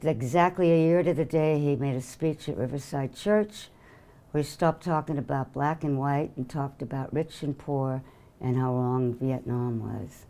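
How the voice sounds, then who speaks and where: Older New York woman, low mellow voice, offhand guest lecture full of fillers. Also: a little slow. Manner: offhand, joking, many fillers. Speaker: guest speaker. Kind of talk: casual lecture talk.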